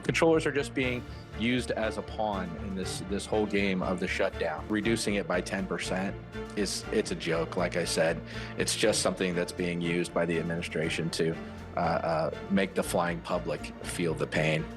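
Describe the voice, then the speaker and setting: An older man speaks off the cuff in a news interview clip. His voice is deep, and music is clearly audible behind him. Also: fairly even intonation, normal speed. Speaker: retired air traffic controller, interviewee. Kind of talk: unscripted interview soundbite.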